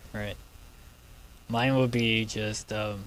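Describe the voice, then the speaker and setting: Against noticeable background noise, the voice moves at a very slow pace in a monotone, flat intonation. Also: man. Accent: American. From Houston, Texas. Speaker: podcast host. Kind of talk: casual interview chat.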